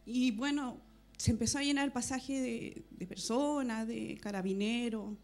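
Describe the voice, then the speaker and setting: A woman quietly and earnestly recounts her experience at a church meeting. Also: a little high, a little slow, faint music behind. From Chile. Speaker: church member giving testimony. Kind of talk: personal church testimony.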